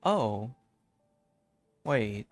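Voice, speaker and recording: A man's voice: on the low side, very animated, extremely slow, dry recording. Man casually streaming a game. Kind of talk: casual livestream gameplay commentary. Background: game music.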